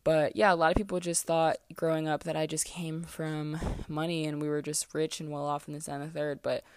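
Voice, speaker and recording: A woman's voice: low voice, level tone, brisk, a little mellow, clean tone, dry recording. Candid young woman, dry close sound. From US East Coast. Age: 20s. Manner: candid, rambling, many fillers and restarts. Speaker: podcast host. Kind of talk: casual solo podcast monologue. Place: closet, small room.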